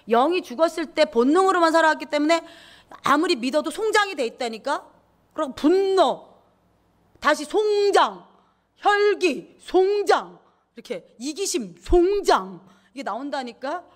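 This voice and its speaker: Animated woman preaching a sermon. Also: sits high. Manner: animated, acts out inner voices and repeats words for emphasis. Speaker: pastor.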